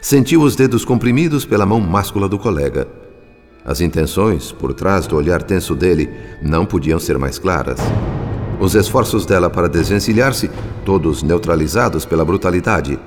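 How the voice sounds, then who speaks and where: A man narrating a radio drama in a measured, solemn style. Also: low-pitched, expressive, big-room sound, soft background music.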